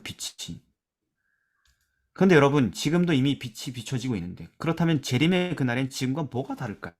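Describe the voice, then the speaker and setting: A man leading a church Bible study discussion, asking questions and reading verses aloud, trailing off softly at the ends of phrases. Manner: asks questions and drops to a soft low voice at phrase ends; reads scripture aloud with emphasis.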